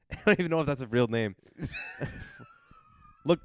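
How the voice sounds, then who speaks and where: A young man co-hosting a podcast, easygoing and quick to laugh. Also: mid-range voice, expressive, raised voice, slight background noise. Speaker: podcast co-host. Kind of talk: casual podcast chat.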